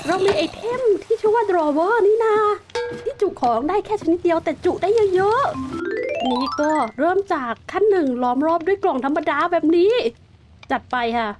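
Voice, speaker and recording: A woman hosting a game video, chatting and explaining excitedly as she plays. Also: sits high. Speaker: gaming channel host. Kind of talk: casual game commentary. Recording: background music under voice.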